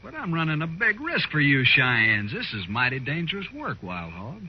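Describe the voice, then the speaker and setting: An American actor playing a shifty, wary white smuggler in a Western radio drama, blustering and wheedling in folksy frontier talk. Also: male voice, a little high, wildly swooping pitch, moderate pace, husky, exaggerated voice. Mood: haggling, uneasy. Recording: noisy, dull old radio recording.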